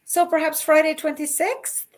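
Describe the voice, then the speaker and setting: Chatty high-voiced woman co-host. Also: level tone, moderate pace. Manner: chatty, laughs easily, hesitant with many fillers. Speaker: co-host of a livestream. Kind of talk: casual livestream chat.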